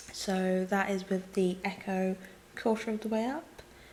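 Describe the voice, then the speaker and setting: A woman's medium-pitched, somewhat breathy voice with a dark, mellow tone, at a moderate pace with fairly even intonation. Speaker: gamer and YouTuber reviewing a microphone. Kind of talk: product review and sound test. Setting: indoors, home recording. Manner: casual, with many fillers; whispering in parts.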